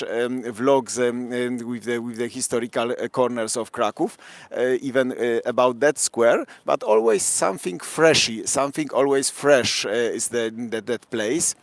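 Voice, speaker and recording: A man with a strong Polish accent, a city tour guide chatting through a live-streamed night walk in halting English full of fillers. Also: mid-range voice, no echo. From Poland. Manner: rambling, many fillers, halting non-native English. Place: outdoors on a city square at night.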